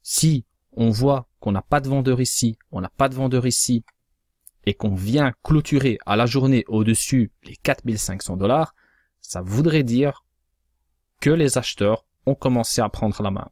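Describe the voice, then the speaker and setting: Male chart analyst, mid pitch, measured and cautionary, dry booth-like sound. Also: a little mellow, dry recording. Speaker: crypto trading analyst. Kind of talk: scripted chart analysis voice-over.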